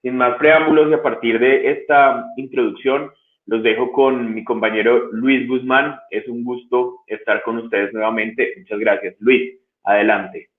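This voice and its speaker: A man hosting a webinar, introducing a guest in a measured, composed way. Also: mid-range voice, steady tone. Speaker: host. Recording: echoey tinny phone-like line.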